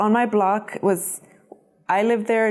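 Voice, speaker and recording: On a very clean recording with a silent background, a woman with a Spanish accent talks at a moderate pace. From US Northeast, Philadelphia, Puerto Rican family. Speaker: interviewee sharing life story. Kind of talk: personal testimony interview.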